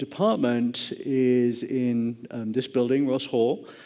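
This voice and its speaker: A man with a British accent and a dark, mellow tone. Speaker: professor and HIV researcher. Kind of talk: lecture. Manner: hesitant, many fillers.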